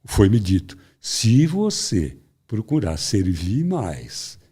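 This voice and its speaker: A man, an interview guest who tells a spiritual parable in an animated way. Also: lowish voice, extremely slow, husky. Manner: animated storyteller, acts out voices. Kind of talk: spiritual storytelling talk.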